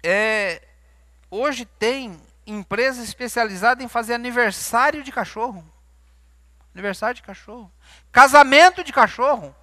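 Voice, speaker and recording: A man's voice: very high voice, moderate pace, sharp tone, no room sound. A man with a Brazilian Portuguese accent preaching a sermon in a church, talking conversationally and asking his congregation questions. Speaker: pastor.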